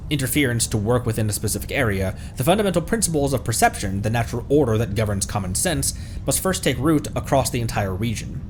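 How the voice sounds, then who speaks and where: A man who streams games, reading aloud and commenting in a theatrical, deliberate way. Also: medium pitch, slight background noise. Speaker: game streamer, VTuber.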